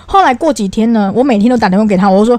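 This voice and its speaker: A young woman, co-hosting a podcast and telling stories in an animated, exasperated way, with some swearing. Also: a little high, racing, no echo. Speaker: podcast co-host. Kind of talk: casual storytelling chat.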